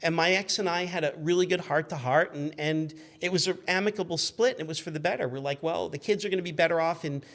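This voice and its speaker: A man in his fifties telling casual anecdotes as a guest, in an animated, rambling way, acting out what people said. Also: on the high side, fast, hardly any pauses. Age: 50s. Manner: animated, rambling, acts out remembered quotes.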